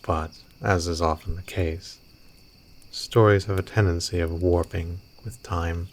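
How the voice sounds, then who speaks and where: A man with a gravelly voice narrating a scripted fantasy tale as a storyteller. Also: sits low, level tone, unhurried. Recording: noisy, with cricket and insect ambience.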